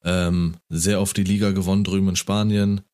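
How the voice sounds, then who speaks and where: Very deep-voiced man chatting about football. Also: normal speed. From Germany. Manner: enthusiastic, animated retelling. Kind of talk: casual football chat.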